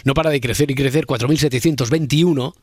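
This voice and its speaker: A man's voice: medium pitch, fast, darkish tone, no room sound, clean studio sound. A man hosting a radio show, joking and bantering casually, often repeating his words. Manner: joking, repeats himself, playful. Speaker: radio host.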